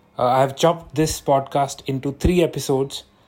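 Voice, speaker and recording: The man's fairly high voice holds fairly even intonation while moving at a moderate pace. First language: Punjabi (speaking Hindi). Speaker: podcast host. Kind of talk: casual chat.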